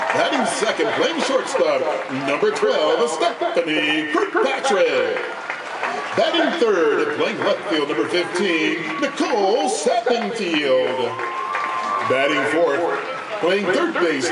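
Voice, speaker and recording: Echoey American male stadium announcer, animated pitch. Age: middle-aged. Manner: formal, drawn-out emphasis on player names. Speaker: stadium public-address announcer. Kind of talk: announcing softball starting lineups. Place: stadium press box. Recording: echoey, distant mic, loud crowd noise.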